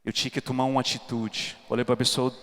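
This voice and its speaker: A man's voice: mid-range voice, flat delivery, quick pace, fairly bright tone. Earnest male preacher in a reverberant hall. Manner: earnest, emphatic preaching to a congregation. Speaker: preacher giving a testimony. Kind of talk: sermon testimony at a church congress. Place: large church hall.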